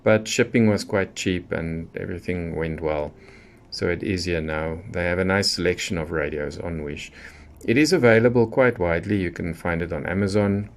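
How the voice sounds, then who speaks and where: A man giving a casual, unscripted product review in a measured, matter-of-fact way with pauses between short phrases. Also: low voice. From South Africa. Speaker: radio hobbyist presenter.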